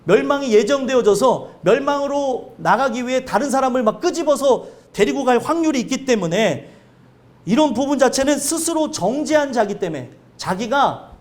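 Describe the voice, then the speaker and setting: A male pastor giving a sermon, earnest and conversational, with lively anecdotes. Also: very high-pitched, normal speed.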